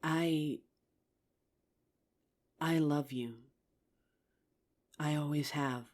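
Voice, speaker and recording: Voice actor doing a regretful female zombie survivor, soft-hearted and confessional, halting delivery, asmr audio drama. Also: medium pitch, steady tone. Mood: tender, vulnerable. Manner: hesitant, earnest, confessional, with pauses and sighs. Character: injured female zombie apocalypse survivor, regretful, tender old friend. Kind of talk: ASMR audio roleplay, intimate scripted drama.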